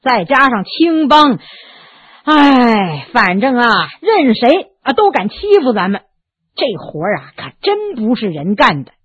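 A woman's voice: a little high, sing-song, a little slow, husky, no echo, full character voice. A woman voicing a timid, grumbling male servant in a storybook reading, hesitant and stammering before he complains. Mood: fretful. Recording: tinny narrow phone-like sound, dry.

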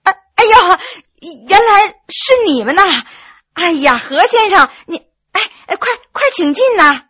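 A woman storyteller voicing a sharp-tongued young wife who scolds quickly and shrilly. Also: high-pitched, animated, dry recording, clean studio sound, exaggerated voice. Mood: flustered.

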